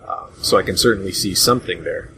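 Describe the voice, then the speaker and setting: Low-voiced male podcast host, noisy recording. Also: fast talker. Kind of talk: casual panel discussion. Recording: hobby podcast with furnace hum. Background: noisy furnace hum.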